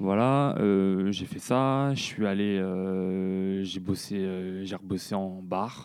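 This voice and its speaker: A man speaks in a very deep, low voice with fairly even intonation. His pace is very slow, yet he hardly pauses at all. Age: 30s. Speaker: office manager. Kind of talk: casual interview. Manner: hesitant.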